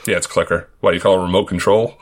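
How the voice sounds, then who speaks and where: Male sports podcast co-host, Boston accent, low-pitched voice, casual and joking. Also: steady tone, quick pace.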